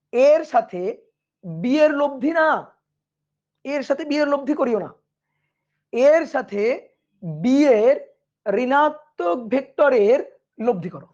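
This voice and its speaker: A woman's voice: a little high, darkish tone, highs cut off. A woman physics teacher, giving an online class lecture, repeating key phrases and checking understanding with questions.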